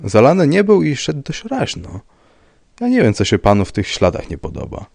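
A man voicing a gruff police commissioner who speaks in a dry, curt, dismissive way. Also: mid-range voice, wildly swooping pitch, normal speed, a little mellow, dry recording, pitched above the performer's own voice, exaggerated voice. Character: gruff, unbothered middle-aged police commissioner.

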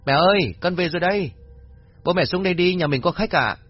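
Guy doing a sweet polite student girl, high husky voice, lively, dull dry recording. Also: quick pace, soft background music. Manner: polite and deferential, raised bright tone. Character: polite cheerful young female university student.

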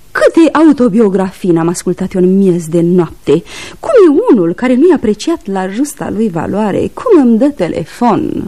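A woman acting a theatrical, fickle and cruel woman in an old radio play, declaiming grandly and swinging between coaxing and shouting. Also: medium pitch. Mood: scornful. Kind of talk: 1970s radio drama acting.

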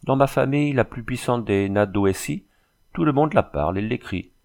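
A man's voice: mid-range voice, normal speed, creaky, darkish tone, lightly acted. A man voicing a proud, solemn Native American man who speaks in a grave, formal way in an audiobook. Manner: grave, formal, reverent speech.

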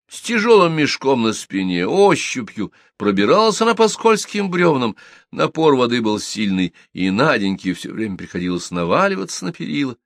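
A man narrating an audiobook with expressive storytelling in a dry, close recording. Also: mid-range voice, dry recording. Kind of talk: audiobook reading.

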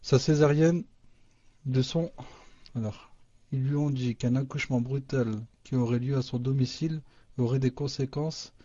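A man's voice: mid-range voice, steady tone, normal speed, warm tone, no room sound. A man moderating an online call, reading listener questions aloud with restarts and Arabic religious phrases. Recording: muffled lo-fi audio.

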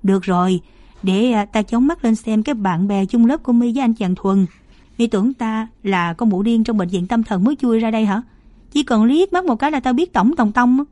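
A woman's voice: a little high, a little fast, mellow, no room sound, lightly acted. A woman reading the part of a mischievous young female student who teases her roommate. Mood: teasing. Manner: cheeky, prodding banter.

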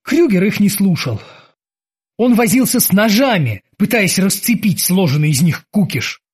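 A man with a husky voice reading an audiobook as an animated storyteller. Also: high voice, normal speed. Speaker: narrator. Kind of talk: audiobook narration.

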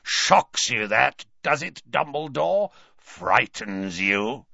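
A man voicing a savage werewolf with a rasping bark, slow and leering, in a dull, dry recording. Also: medium pitch, big pitch swings, pushed and bright, no echo, full character voice. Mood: menacing.

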